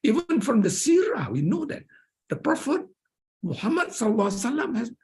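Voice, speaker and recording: A man with a Malaysian accent giving an academic lecture, emphatic and repeating key phrases. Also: sits high. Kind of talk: academic lecture and question answering.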